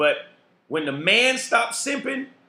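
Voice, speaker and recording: A raised, projected voice with an animated tone and very wide pitch swings moves at a moderate pace through audible room echo. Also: man. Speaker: talk show host. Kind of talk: casual monologue. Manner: loud.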